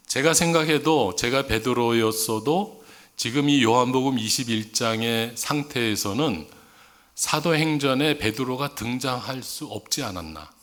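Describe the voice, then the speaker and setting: A man's voice: medium pitch, fairly bright tone. A man preaching a sermon as a visiting missionary in a church, telling a story in a conversational tone. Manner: conversational storytelling, acts out dialogue in quoted voices. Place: church sanctuary.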